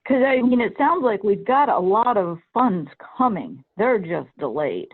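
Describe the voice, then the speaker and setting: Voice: mid-range voice, sing-song, a little slow. A committee chair leading a meeting discussion, speaking hesitantly, repeating "okay" and asking questions. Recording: tinny phone-like line.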